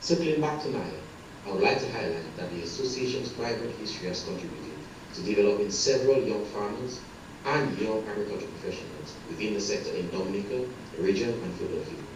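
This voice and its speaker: Over noticeable background noise and audible room echo, a man talks at a very fast pace. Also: fairly low pitch for a man. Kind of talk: formal prepared speech. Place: hall.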